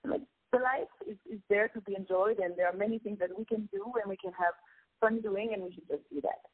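A woman's voice: medium pitch, fairly even intonation, fairly quick, slightly rough. A woman from Congo whose first language is Lingala, a singer being interviewed, speaking in an earnest, reflective way with hesitant restarts. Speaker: singer and guest. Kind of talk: casual interview chat. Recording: tinny phone line.

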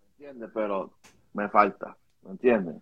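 Heard through tinny, narrow audio, this man has a fairly low, husky voice and a measured pace. He's a guest on an interview, a music video director with a Caribbean Spanish accent who answers casually, repeats words, and weaves English into his Spanish.

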